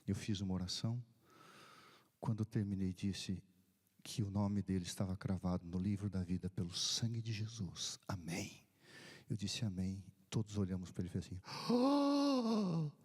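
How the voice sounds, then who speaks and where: A man's voice: deep voice, steady tone, normal speed, a little mellow, breathy edge. A middle-aged man, a pastor preaching a sermon through earnest stories with emphatic rises. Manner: earnest storytelling with emphatic rising peaks. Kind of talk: sermon storytelling.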